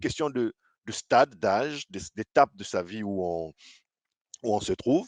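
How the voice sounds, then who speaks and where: A man's voice comes through with a dry, close sound, no echo, and a quiet background. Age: 40s. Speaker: business commentator. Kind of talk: vlog monologue. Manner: conversational, with hesitations.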